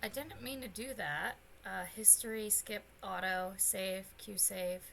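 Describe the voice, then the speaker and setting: A young adult woman streaming a game, talking casually and rambling, her voice still slightly hoarse and not fully recovered, with bursts of excited squealing. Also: mid-range voice, measured pace, slight background noise. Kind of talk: casual let's-play chat. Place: home streaming setup.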